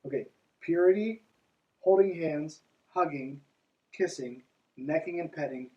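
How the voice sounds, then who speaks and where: A man's voice: fairly high pitch, unhurried, distant mic, lo-fi sound. A man hosting a podcast, reading aloud and breaking in with mocking, irreverent, conversational asides. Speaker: podcast host.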